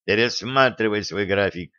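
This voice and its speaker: A man's voice: lowish voice, moderate pace, sharp tone, no room sound, lo-fi sound. A man playing a stern, curt karate sensei. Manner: curt, commanding.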